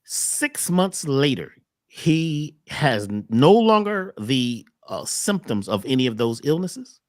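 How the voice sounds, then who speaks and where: A man talking as a wellness coach on a talk show, emphatic and repetitive, often jumping high on key words. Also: big pitch swings, slow, darkish tone, no echo, clean studio sound. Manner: emphatic, repeats phrases, swoops up on key words. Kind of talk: animated talk-show conversation.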